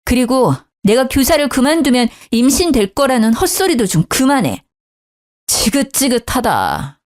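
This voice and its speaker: A woman in her thirties tells a dramatic personal story with indignant emphasis. Her fairly high voice moves in lively swings as she argues her side. The narration is emphatic and animated throughout. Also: moderate pace.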